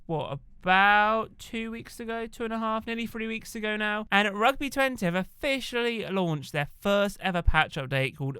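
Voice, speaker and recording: A man's voice: high-pitched, bright, forceful tone, clear, resonant tone, no room sound. A young man chatting upbeat to his viewers as a gaming YouTuber, addressing them casually as guys. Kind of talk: casual video-game news talk.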